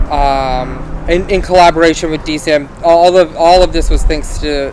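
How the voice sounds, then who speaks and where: A man speaks at a moderate pace with a fairly high pitch and fairly even intonation. Noticeable background noise runs underneath. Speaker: event moderator for recovery housing association. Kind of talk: panel discussion. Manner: loud.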